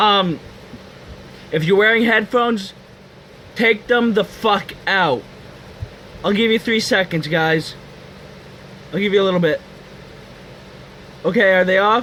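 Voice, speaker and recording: A man shouting in a raised, projected voice with an American accent, high-pitched for a man, with ordinary pitch variation, very even loudness, a fairly slow pace, long and frequent pauses, and noticeable background noise. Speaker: YouTuber reviewing product. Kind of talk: casual product demo. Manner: loud, yelling.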